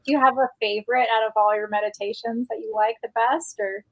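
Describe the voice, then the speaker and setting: High-voiced woman podcast host. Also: fairly even intonation, fast talker, poor audio. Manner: friendly, encouraging questions. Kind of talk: casual interview.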